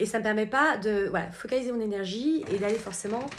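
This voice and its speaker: Over noticeable background noise and audible room echo, a woman speaks in an animated tone at a fairly high pitch with ordinary pitch variation. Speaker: spiritual coach and therapist vlogger. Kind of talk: casual personal vlog monologue. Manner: fast.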